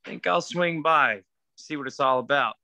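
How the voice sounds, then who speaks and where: A man's voice: on the high side, normal speed, gravelly, bright, forceful tone, dry recording, full character voice. A man reading the part of a folksy, laconic small-town restaurant keeper at a screenplay table read, in an understated manner. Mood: matter-of-fact.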